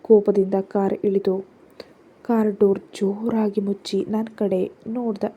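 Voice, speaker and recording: A woman narrating a first-person family drama story in a soft, hushed storytelling voice. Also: mid-range voice, flat delivery, a little slow, dull audio, slight background noise.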